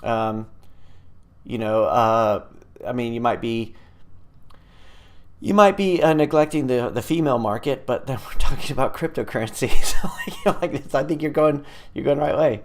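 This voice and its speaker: A man's voice: mid-range voice, moderate pace. Rambling man on a live stream. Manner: rambling and hesitant, many fillers and restarts. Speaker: app developer hosting a live stream. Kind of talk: casual live-stream chat, reading viewer comments.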